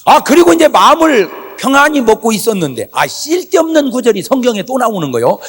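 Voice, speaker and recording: A male pastor preaching a revival sermon to a congregation, animated, breaking into shouts and acted-out quoted prayers. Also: extremely high pitch, fairly quick, in a large hall. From South Korea. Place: church sanctuary before a congregation.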